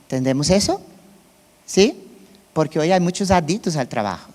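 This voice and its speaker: A man's voice: fairly high pitch, expressive, moderate pace, a little mellow. Man preaching in a reverberant church. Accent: Brazilian Portuguese. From Brazil. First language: Portuguese. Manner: conversational, often checks with listeners. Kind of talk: sermon.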